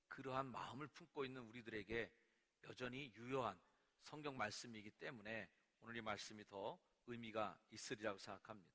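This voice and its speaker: Bright-voiced Korean pastor preaching in a hall. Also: male voice, mid-range voice. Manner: lively preaching, acts out angry outbursts to God. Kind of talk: sermon. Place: church sanctuary. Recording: long reverb of a church sanctuary.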